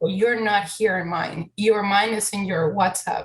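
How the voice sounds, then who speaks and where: A somewhat breathy woman's voice at medium pitch, with fairly even intonation. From Venezuela. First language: Spanish. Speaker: immigrant interviewee. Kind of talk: interview.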